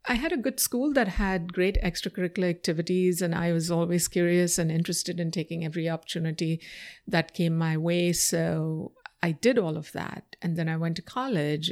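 A woman's voice: lowish voice, gravelly, darkish tone. A woman from India whose first language is Marathi, thoughtfully answering interview questions about her life and career. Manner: thoughtful, reflective, many pauses and fillers. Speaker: interview guest.

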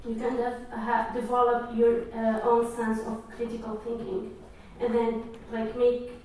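Mellow-voiced woman from Tunisia, echoey hall. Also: a little high, monotone, unhurried, slight background noise. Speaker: panelist. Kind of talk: panel discussion. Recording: echoey hall, distant mic.

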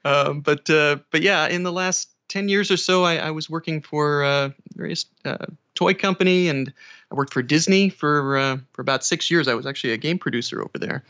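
A man's voice: a little high, a little fast, sharp tone. A man speaking as an interview guest, an audiobook narrator casually recounting his experiences. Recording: dull, band-limited audio.

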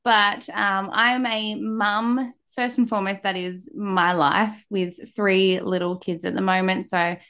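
A woman's voice: medium pitch, level tone, takes it slowly, hardly any pauses, fairly bright tone, clear, resonant tone. A woman in her thirties from Australia with an Australian accent, a chatty guest explaining things on a podcast. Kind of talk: casual podcast interview.

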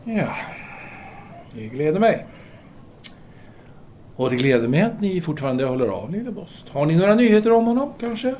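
A man acting as a self-absorbed intellectual lover in a radio play. His voice sits fairly high and moves in lively swings, with formal phrasing broken by theatrical hesitations. He is earnest and self-justifying, over faint background noise. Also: pauses often. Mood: confiding. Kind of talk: audio drama dialogue.

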